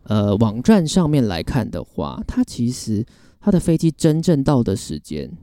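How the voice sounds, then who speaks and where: Young taiwanese guy cursing his way through a story, bouncy pitch, dry close mic. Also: normal speed, no echo. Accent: Taiwanese Mandarin. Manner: animated storytelling, blunt and profane, mimics others' voices. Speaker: podcast co-host. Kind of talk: casual chat.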